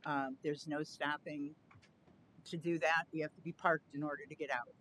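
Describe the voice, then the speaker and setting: A woman activist addressing a county board at a podium, earnest and chatty, speaking loudly. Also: sits low, fairly even intonation, normal speed, slight background noise, low-quality recording. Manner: earnest, chatty, self-aware of loud voice. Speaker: activist presenting a request. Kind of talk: public comment at a county meeting. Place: county board meeting chamber.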